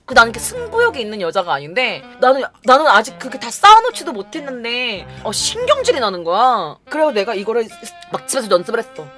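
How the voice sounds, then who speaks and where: A young woman vlogger telling a story to camera in a casual, animated way, acting out quotes and laughing often. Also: fairly high pitch, fast, hardly any pauses, faint music behind.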